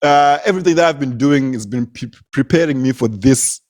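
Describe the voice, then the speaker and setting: A man's voice: medium pitch, fairly quick, darkish tone. A young man from Zimbabwe, a comedian, telling stories in casual conversation, laughing often and repeating words as he goes. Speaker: comedian, guest.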